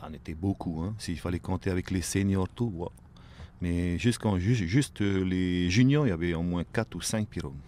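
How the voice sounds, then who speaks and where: Deep-voiced Tahitian man, halting talk. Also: a little mellow, a little hiss or hum. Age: late 30s. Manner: halting, fills pauses with "ben", "hein", "voilà". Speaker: guest, outrigger canoe paddler. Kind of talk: casual radio interview. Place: radio studio.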